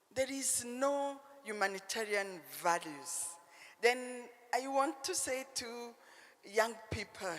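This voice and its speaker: Over noticeable background noise, a woman with a fairly high pitch speaks at a very slow pace with lively intonation. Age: 60s. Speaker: school founder and educator. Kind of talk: panel speech.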